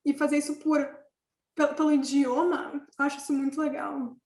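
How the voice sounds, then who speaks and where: Young woman student guest, high pitch, echoey room, hesitant and giggly. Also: flat delivery, normal speed, gravelly, darkish tone. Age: young adult. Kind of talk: casual panel chat.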